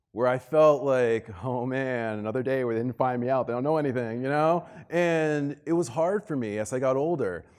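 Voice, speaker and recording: A man's voice: mid-range voice, a little mellow. A middle-aged man with an American accent speaks as a keynote presenter at a conference. His delivery is conversational yet emphatic, built on personal storytelling and repeated phrases, in a mid-range voice. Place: live talk on stage to a room of listeners. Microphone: stage microphone.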